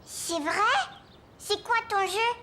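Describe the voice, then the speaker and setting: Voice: extremely high pitch, lively intonation, slow, full character voice. An actor voicing a small, eager preschool boy in a French-language children's cartoon, with simple, emphatic, childlike phrasing. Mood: curious. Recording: background music under the voice.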